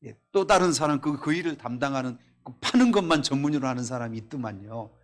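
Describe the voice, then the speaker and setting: A man preaching a Korean sermon at a Friday night service, reading scripture aloud, telling stories and asking the congregation questions, swinging between loud exclamations and quiet asides. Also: medium pitch, expressive, fast. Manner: reads scripture in a raised voice. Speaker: pastor. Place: church.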